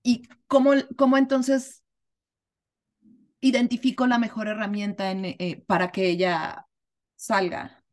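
A woman student in a coaching class asks her teacher questions. She talks in a hesitant, questioning way. Her pitch sits in the middle. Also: flat delivery, unhurried, pauses often, darkish tone. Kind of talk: class discussion.

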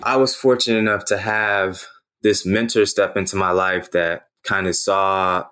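A man's voice: low voice, steady tone, measured pace, pushed and bright, smooth. A man in his thirties whose first language is Haitian Creole, an author telling his own story as an interview guest in an earnest, reflective way with frequent "you know" fillers.

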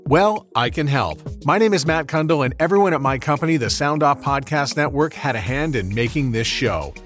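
A man with a slightly high voice delivers an upbeat sales pitch. His pitch bounces around lively as he promotes his service, and his pace speeds up and slows down. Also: soft background music. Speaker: podcast network owner in an ad. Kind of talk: promotional read.

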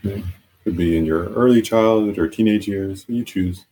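A man guides a meditation in a lowish, husky voice. He gives gentle instructions off the cuff, haltingly, leaving long pauses between phrases. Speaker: meditation teacher.

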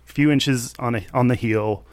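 A man's voice: mid-range voice, a little slow, dry recording. A hungover man co-hosting a casual podcast chat, stammering and laughing nervously. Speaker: podcast co-host.

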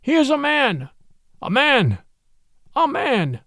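A man voicing a snarling pack of hostile wolves, yelling together. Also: fairly high pitch, huge pitch swings, a little slow, creaky, dry recording, studio quality, exaggerated voice. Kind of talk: storybook reading.

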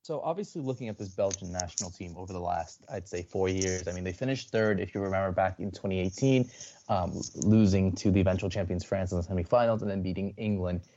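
A man's voice: deep voice, quick pace, mellow, highs cut off. A man co-hosting a football podcast, asking long, rambling questions. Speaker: podcast co-host. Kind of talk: casual podcast interview.

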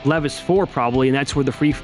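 A man co-hosting a sports betting show, teasing his partner with quick rhetorical questions and teasing upcoming segments. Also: mid-range voice, faint music behind. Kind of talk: casual banter and segment teasers.

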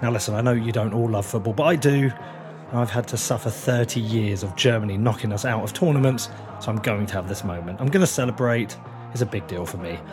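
A man with an English accent and a croaky, hoarse voice that is giving out, hosting a podcast and speaking informally and directly to listeners. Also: lowish voice, fast, over music. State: losing his voice. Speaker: podcast host. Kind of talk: podcast intro and sponsor reads.

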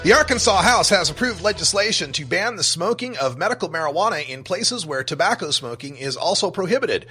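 Man, radio host, scripted headline reading, forceful bright tone, very lively intonation, punchy announcer delivery. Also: sits high, brisk, few pauses, faint music behind. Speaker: radio talk show host and news reader. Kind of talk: scripted show intro and headline news reading.

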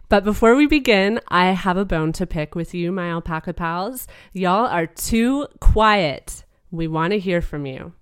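A woman's voice: fairly low pitch, smooth, dry recording, studio quality. A woman hosting a podcast, chatting casually with a playful, teasing manner. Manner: playful, teasing, quick asides. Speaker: podcast host.

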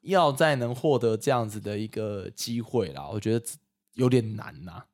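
A man's voice: on the low side, animated, moderate pace. A man with a Taiwanese accent explaining things earnestly and enthusiastically in a casual chat.

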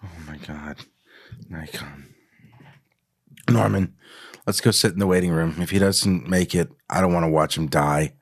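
A man voicing a worried, caring teenage girl in an amateur screenplay read, gentle and hushed. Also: deep voice, normal speed, long pauses, no room sound, studio quality, voice pushed down.

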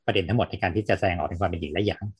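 Male podcast host, husky and fast, chatty explainer. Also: deep voice, no room sound, clean studio sound. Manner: explains with a rapid, chatty flow. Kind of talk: casual podcast chat.

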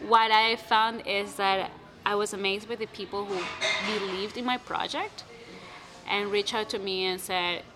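A young woman speaking English as a second language, answering interview questions about her play in a lively, casual way with many restarts. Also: medium pitch, unhurried, low-quality recording. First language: not English. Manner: animated, many restarts and fillers. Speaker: playwright guest.

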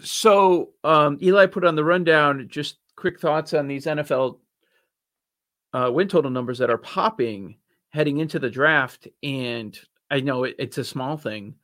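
A man's voice: a little high, fairly bright tone. A man with a Chicago accent hosting a sports betting podcast, talking casually and joking with his co-host. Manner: quick, joking, restarts often.

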